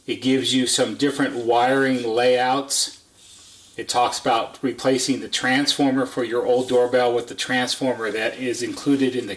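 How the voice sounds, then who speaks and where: A man's voice: mid-range voice, a bit bright. A man giving an unscripted, detailed product walkthrough in a matter-of-fact, explanatory way, like a service technician. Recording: echoey, roomy indoor sound.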